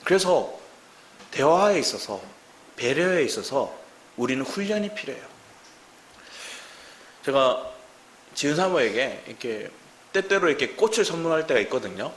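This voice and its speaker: A man in his thirties with a Gyeongsang Korean accent preaches as pastor in a church sanctuary, his voice a little high and sing-song at a moderate pace with long pauses. He asks the congregation many questions, and the roomy church hall carries a faint hiss.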